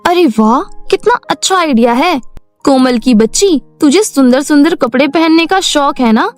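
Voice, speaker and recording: A woman's voice: high voice, expressive, normal speed, no echo, faint music behind. A woman doing a spiteful jealous fairy girl. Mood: gloating. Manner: sharp, scornful, snapping.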